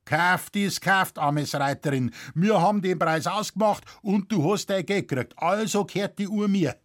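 A man's voice: high voice, normal speed, voice pushed up, close to an everyday voice. A man voicing a sly, jovial Bavarian village blacksmith who talks in broad, hearty dialect.

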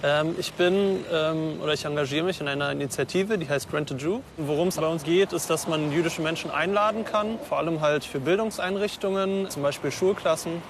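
A man with a gravelly, slightly high voice answers questions slowly and haltingly, full of ums and restarts. He is recorded outdoors in a city with faint traffic noise behind him. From Germany. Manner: hesitant, many fillers and restarts. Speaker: interviewee. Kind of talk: casual interview answers.

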